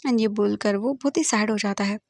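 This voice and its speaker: A woman's voice: medium pitch, fairly quick, darkish tone, no echo, clean studio sound. A woman narrating a romance story she wrote, retelling it plainly and mixing in English words.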